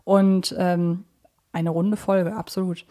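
A woman's voice: fairly low pitch, little pitch movement, slow pace, mellow. Reflective woman podcaster. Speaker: podcast co-host. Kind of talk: casual conversational podcast discussion.

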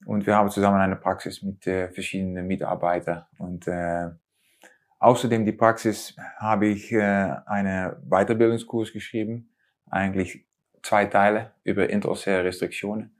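A man in his forties with a Dutch accent, speaking German as a learned second language, his voice slightly low. He talks hesitantly, filling pauses often and slipping in grammar as he explains himself in an interview. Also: fairly even intonation. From Netherlands. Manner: hesitant with many fillers and non-native grammar slips. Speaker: osteopath and lecturer. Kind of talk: conversational interview.

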